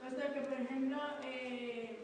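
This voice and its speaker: A woman teacher speaking up in a group discussion, in a fairly high but flat voice. She sounds hesitant and plain. She is far from the mic in a long-reverb hall. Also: measured pace, very noisy. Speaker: church children's teacher. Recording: echoey hall, distant mic.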